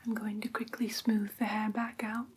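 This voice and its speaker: A woman playing a gentle, prim vampire teacher in whispered ASMR roleplay, breathy and careful, close to the microphone. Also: mid-range voice, level tone, normal speed, slight background noise, natural voice. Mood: calm, attentive. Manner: soft, careful, instructive, politely formal. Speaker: ASMR performer.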